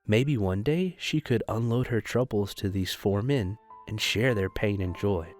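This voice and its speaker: A man's voice: lowish voice, measured pace. A man reading scripted narration for an audio drama. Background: music.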